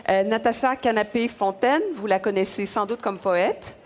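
A woman, interviewing an author with warm enthusiasm. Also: mid-range voice, moderate pace. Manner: enthusiastic, effusive. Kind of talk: radio interview.

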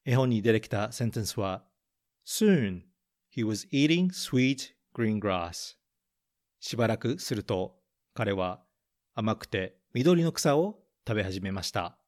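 A man's voice: lowish voice, animated, darkish tone. A man reading a picture book aloud in English and Japanese, then explaining English phrases as a podcast host. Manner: slow, careful reading of English lines, then Japanese translation; plain explanatory teaching tone. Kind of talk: bilingual storybook reading and English lesson.

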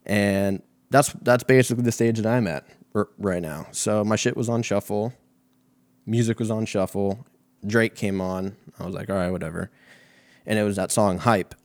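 A young American man with a fairly low voice talks in a loose, profane, slangy ramble. He tells stories like a casual comedy host, and the recording is close and dry. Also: normal speed, no room sound. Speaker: host of a comedic talk show.

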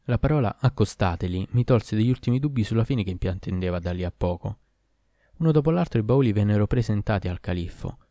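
Low, dark-voiced male storyteller. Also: no room sound, studio quality. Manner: steady, measured reading. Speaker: narrator. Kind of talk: scripted first-person story narration.

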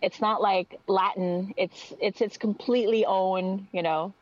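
A woman's voice: medium pitch, fairly even intonation, measured pace, dry recording. A young woman from the Philippines speaks with an American accent and is a native Tagalog speaker. She giggles often and restarts her phrases as she chats. The recording is dry and slightly dull. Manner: giggly, hesitant, repeats her words. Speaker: podcast guest. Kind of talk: casual interview chat.

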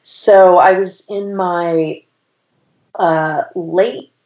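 A woman in her forties chats as a podcast guest, her voice a little raspy from a cold. She runs her sentences together with "and" as she talks, pitched on the low side. The sound is roomy and somewhat muffled. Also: steady tone, drawn-out words, darkish tone. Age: 40s. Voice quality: slightly raspy. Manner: rambling, stacks clauses with "and". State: has a cold. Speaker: podcast guest, business owner. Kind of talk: casual interview storytelling.

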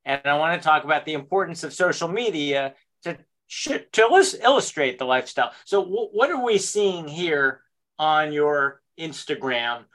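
A man's voice: fairly high pitch, lively intonation, normal speed, fairly bright tone. A man hosting the interview, asking questions with a wry, teasing manner. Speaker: host.

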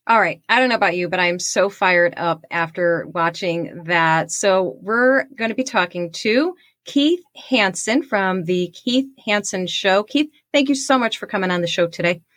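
A woman hosts an interview podcast with eager energy, rambling through her questions. Her voice sits at a middle pitch and sounds dry and close. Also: animated, normal speed, hardly any pauses, fairly bright tone, no echo. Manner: enthusiastic, rambling with fillers. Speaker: podcast host. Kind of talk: casual interview hosting.

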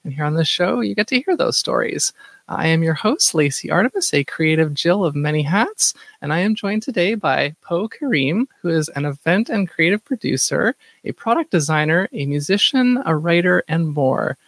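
A podcast host with a gravelly, fairly high voice leads an interview, stumbling over his words and filling gaps with ums. The sound is dry and close. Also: lively intonation, fairly bright tone, no room sound. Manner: halting, many fillers and repeats. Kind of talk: casual interview hosting.

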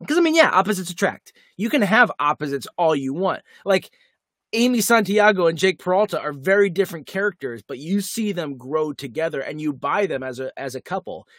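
A man co-hosting a podcast, recapping a TV episode in casual chat, animated and quick with asides. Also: on the high side, no room sound, studio quality. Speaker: podcast co-host.

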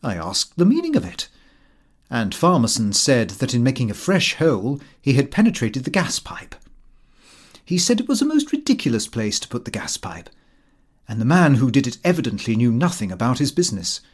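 A British man reads a comic diary aloud as an audiobook narrator. His pitch is mid-range but moves about a great deal, giving the prim, precise phrasing a very animated shape. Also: moderate pace, breathy edge. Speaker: audiobook reader. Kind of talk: scripted narration of a comic fictional diary, read in character as the diarist.

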